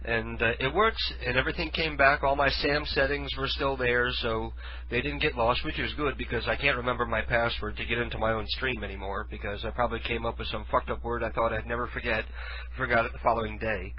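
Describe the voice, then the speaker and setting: A man's voice: medium pitch, steady tone, fairly quick, husky, muffled recording. A man hosting his own internet radio show from his living room, talking loosely and self-deprecatingly while stuffed up from a head cold. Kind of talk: casual rambling monologue. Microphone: studio mic with headphones.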